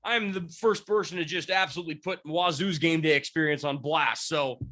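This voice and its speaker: The voice is on the high side, a little fast, with a sharp tone. It belongs to a sports beat writer and podcast host in his twenties from Washington State, near Seattle, who is congested with a cold and rambles through his casual sports chat with fillers and restarts.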